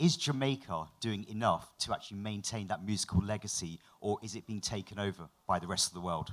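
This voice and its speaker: The delivery comes at a fairly quick pace with ordinary pitch variation. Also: man, fairly low pitch for a man. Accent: English. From England. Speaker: audience member, YouTuber. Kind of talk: audience question.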